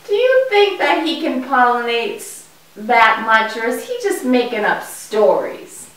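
In a reverberant room, some way from the mic, a naive young boy acted by a woman talks in a children's puppet show. The high voice is curious and wide-eyed, swinging widely in pitch with exaggerated emphasis. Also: lively intonation, a little slow. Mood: hesitant. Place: indoor puppet stage, far from the mic. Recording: echoey room, distant microphone.

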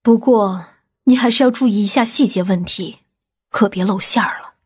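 A woman playing a composed, scheming aunt in an audiobook, measured and authoritative. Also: mid-range voice, a little mellow, breathy edge, close to an everyday voice. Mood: assured, chiding. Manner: measured, matter-of-fact, authoritative. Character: composed, commanding, scheming aunt of a powerful family.

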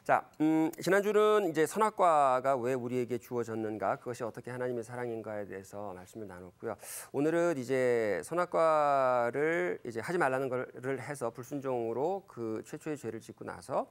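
A man's voice: moderate pace, few pauses, smooth. A man in his fifties giving a church lecture, retelling Bible scenes and family stories with many fillers and self-corrections, acting out the quoted lines. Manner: animated, acts out quoted lines with big pitch jumps. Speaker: Christian lecturer.

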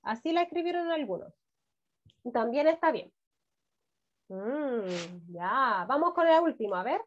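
A high-voiced woman teacher with a Chilean Spanish accent, talking to young children over a dull, lo-fi video call. She stretches words out syllable by syllable and speaks in a slow, gentle, coaxing way. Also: big pitch swings. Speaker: primary school teacher. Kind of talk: online class for first graders. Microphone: laptop mic on a video call.

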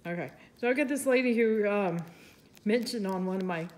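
Working at a table, a woman demonstrates resin crafting for her channel, chatting loosely, thinking out loud and joking at her own expense. She speaks at a normal speed in a medium-pitched, darkish voice that others find soothing.

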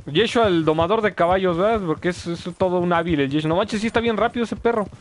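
A man's voice: high voice, fast talker, slight background noise. A man commenting live on his gameplay, chatting with viewers and yelping at mishaps. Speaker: gaming streamer.

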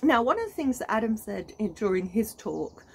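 A woman's voice: medium pitch, sing-song, moderate pace, gravelly, husky. A woman in her thirties with a British accent, chatting casually to camera on her allotment, enthusiastic and full of ums and restarts. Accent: British English. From United Kingdom. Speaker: gardening vlogger. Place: outdoors on an allotment plot.

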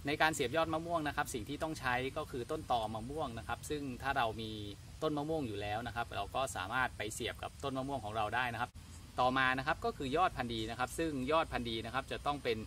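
A man in his thirties giving a polite, steady gardening demonstration outdoors at a plant nursery. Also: medium pitch, fast, a little hiss or hum. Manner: polite, steady instructional delivery. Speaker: farm channel host.

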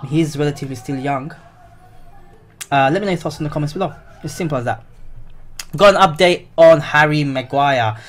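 A man's voice: on the high side, fairly quick, long pauses, faint music behind. Blunt, repetitive man vlogging. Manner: blunt, repeats himself, many fillers. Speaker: football vlogger. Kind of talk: casual opinionated commentary.

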